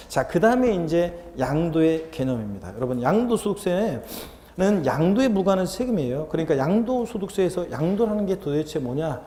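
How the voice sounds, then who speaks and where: A man's voice: a little high, warm tone, a little hiss or hum. A man from Seoul with a Seoul accent giving a real estate tax lecture in a classroom, chatty and jokey, with a slightly stuffy nose. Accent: Seoul Korean. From Seoul, Korea. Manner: chatty, jokey, mimics dialects. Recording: roomy, reverberant classroom with faint ambience.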